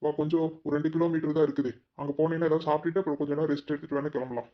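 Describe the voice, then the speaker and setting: Man voicing a coaxing cartoon husband, rapid, dull recording. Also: fairly high pitch, little pitch movement. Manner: coaxing, caring husband talk. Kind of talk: cartoon voice acting.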